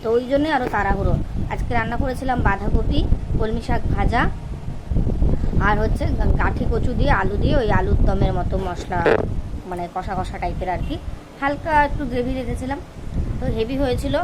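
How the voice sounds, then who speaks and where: A woman in her thirties talks fast in a slightly high voice, rambling from one small household detail to the next. It's a casual home vlog filmed on a phone. Steady background noise and passing vehicles sit under her voice. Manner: chatty, rambling, piles up everyday details. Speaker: vlogger, mother. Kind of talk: casual daily vlog narration. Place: home, later outdoors on a night street. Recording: noisy phone recording with street sounds.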